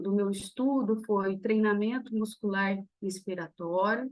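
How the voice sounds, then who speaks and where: Speaking very slowly, a woman with a Minas Gerais accent uses a medium pitch. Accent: Minas Gerais (mineiro). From Brazil, Minas Gerais. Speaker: lecturer, exercise physiologist. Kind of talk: lecture. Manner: hesitant, many filler words.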